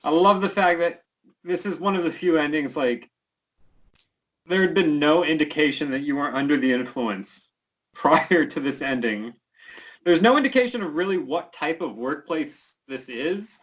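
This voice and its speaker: A mid-pitched co-host chats casually over a text adventure game. The commentary is wry and amused, with plenty of "um" and "like" fillers. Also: moderate pace, poor audio. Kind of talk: casual let's-play banter.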